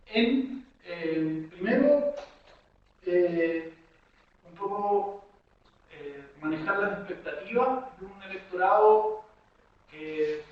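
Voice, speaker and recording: A man from Chile with a Chilean accent, asking an earnest, hesitant question in a webinar over a video call. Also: sits high. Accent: Chilean Spanish. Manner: earnest, hesitant, repeats words. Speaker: audience questioner. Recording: distant, echoey, dull, faint hiss.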